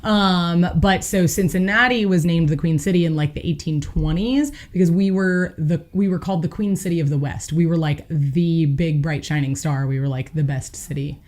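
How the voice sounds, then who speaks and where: A woman, co-hosting a podcast, her voice hoarse, telling stories in a chatty way with lots of fillers. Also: low voice, moderate pace, few pauses, darkish tone. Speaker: podcast co-host. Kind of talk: casual chat.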